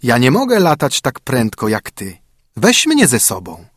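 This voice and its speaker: A slow, coaxing female frog from a fairy tale, drawing out her words as she pleads and insists, as a man puts her on. The voice is husky and very animated, with wide swings in pitch. It sounds dry and close. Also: dry recording, heavily acted. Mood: insistent.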